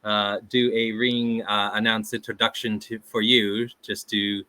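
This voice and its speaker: A man interviewing a guest in a relaxed chat, halting often with fillers and small chuckles. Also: lowish voice, clear, resonant tone, no echo. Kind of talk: casual interview.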